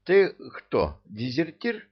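A man's voice: on the high side, huge pitch swings, takes it slowly, husky, lo-fi sound, pitched above the performer's own voice, full character voice. A man reading an audiobook voices an irritable, bossy male genie vizier who barks and scolds. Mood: scolding. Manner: barking, scolding.

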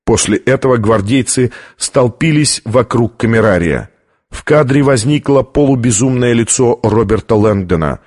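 A man narrates an audiobook in a steady, even reading voice of middle pitch. His delivery is scripted and measured.

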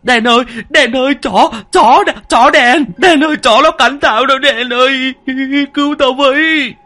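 A man voicing a hulking, clumsy young man who squeals frantically for help in a strained, very high voice. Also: unhurried, bright, forceful tone, exaggerated voice. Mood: panicked. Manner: squealing, panicked calling for help.

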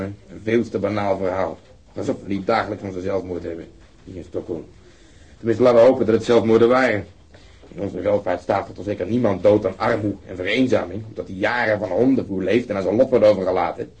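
An actor playing a blunt, cynical police detective in a radio drama, sarcastic. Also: male voice, fairly low pitch, fairly quick, a little mellow, slightly rough. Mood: bitter sarcasm. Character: gruff, sardonic, cynical male police detective.

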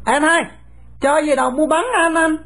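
Woman voicing a brash little boy, high and loud, mouths off at grown-ups. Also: fairly even intonation. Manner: brash, mouthy, quick to talk back. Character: bold, cheeky young boy, brash and fearless.

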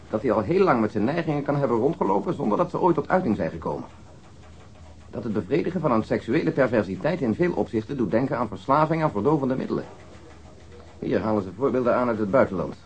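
An actor in a radio drama playing an earnest, methodical police detective, speaking in a measured, serious, explanatory way. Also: male voice, medium pitch, a little mellow.

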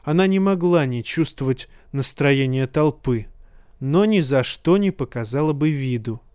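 A man reading a fantasy novel aloud in a steady, measured audiobook narration. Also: mid-range voice, smooth, dry recording, studio quality.

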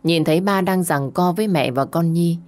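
A woman with a low voice reads a first-person dramatic story, carrying the narration and her own character's lines. In the dialogue she turns sharp and scornful. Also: moderate pace.

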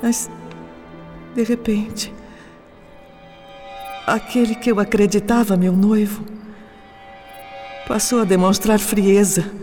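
A lovestruck young woman recounts her romance in a radio drama, speaking slowly and wistfully. Her voice rings with a long reverb over soft music underneath. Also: medium pitch. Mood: hurt. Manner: wistful, emotional, shifting between joy and hurt. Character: young woman in love, later betrayed by her sister. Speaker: radio drama narrator character. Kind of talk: first-person radio drama monologue. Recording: reverberant studio with music bed.

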